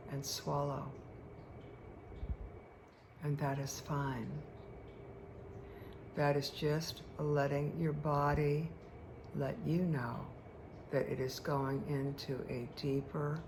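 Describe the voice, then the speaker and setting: A woman leading a guided meditation in a hypnotic, soothing manner, speaking deliberately with long pauses. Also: sits low. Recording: clear steady background noise.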